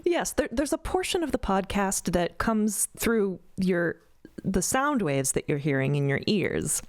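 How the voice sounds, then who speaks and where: A woman's voice: medium pitch, big pitch swings, unhurried, no echo, clean studio sound. A woman co-creator talking casually on a podcast panel, modest and thoughtful, with a light laugh in her talk. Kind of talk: casual roundtable chat.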